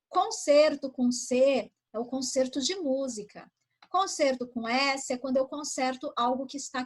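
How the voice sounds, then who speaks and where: A woman primary school teacher reviewing a lesson with pupils over a video call, explaining patiently and asking them questions. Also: high-pitched. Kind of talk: online class review with pupils.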